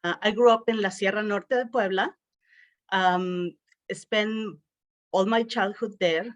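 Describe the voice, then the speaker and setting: A woman's voice: medium pitch, steady tone, unhurried, dry recording, highs cut off. Mexican-accented woman, dry close sound. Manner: chatty, frequent um and uh fillers. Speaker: guest. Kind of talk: casual interview storytelling.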